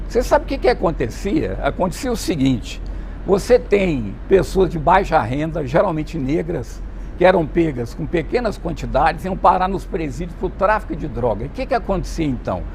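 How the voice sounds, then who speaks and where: A man's speech comes with audible room echo, and background noise is noticeable. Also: moderate pace. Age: 70s. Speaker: debate guest, commentator. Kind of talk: televised debate.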